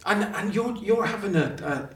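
A man with a somewhat raised pitch hosts a relaxed sports interview. He is from the Bristol area of England. He talks in a halting, conversational way, repeating words as he goes. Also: crowd noise. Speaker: podcast host. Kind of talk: casual sports podcast interview.

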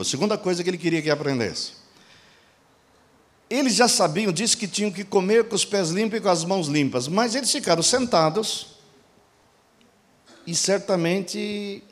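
A preacher man asking and answering. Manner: asks the congregation rhetorical questions and answers them; acts out quoted dialogue with shifts in pitch and pace. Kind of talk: sermon.

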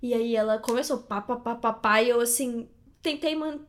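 A woman's voice: fairly high pitch, normal speed. A young woman from Brazil in casual chat, self-deprecating and acting out little dialogues as she tells stories. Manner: self-deprecating, laughs often, acts out quoted dialogue.

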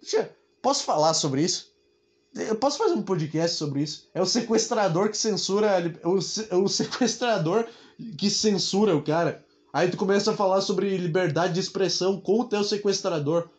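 A man's voice: high-pitched, normal speed. A man hosting a solo podcast, talking in a sarcastic, rambling comic monologue from a room at home and swearing casually. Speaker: podcast host.

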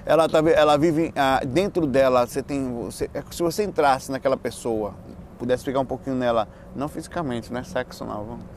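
A man's voice: mid-range voice, fairly quick, a little hiss or hum. A man with a Bahian Brazilian accent chats in a casual, rambling, playful way, full of slang and restarts. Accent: Bahian Brazilian Portuguese. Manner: colloquial, slangy, playful, with repeated false starts and self-interruptions. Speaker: speaker answering audience questions on spirituality and lifestyle.

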